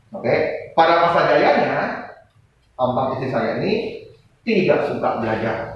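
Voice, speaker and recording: A man speaks at a fairly slow pace with lively intonation, and audible room echo surrounds his voice. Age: old. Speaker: math tutor. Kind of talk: lecture. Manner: casual, conversational; quieter voice.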